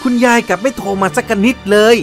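A man narrating an anime recap in a chatty, playful way, jumping into quick character lines. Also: sits high, vocal fry. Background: background music.

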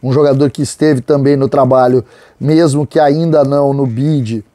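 A man's voice: medium pitch, steady tone, moderate pace, warm tone, dry recording. A middle-aged man from Rio do Sul hosts opinionated football commentary straight to camera in a small studio, speaking conversationally into a lapel mic and stretching out key words for emphasis. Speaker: sports commentator and host. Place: small studio with a branded backdrop, indoors.

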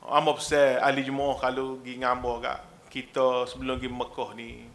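A man with a Kelantanese accent giving a religious lecture, animated and mixing humour with exhortation. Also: medium pitch, normal speed. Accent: Kelantanese Malay. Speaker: religious preacher.

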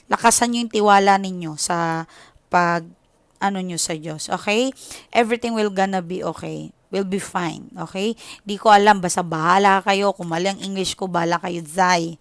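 A woman's voice: lowish voice, moderate pace, no echo. A Filipino woman with a Filipino accent, giving a casual tarot reading and chatting to her viewers in a mix of Tagalog and English. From Philippines. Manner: chatty, switches into English, frequent "okay?". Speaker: tarot reader.

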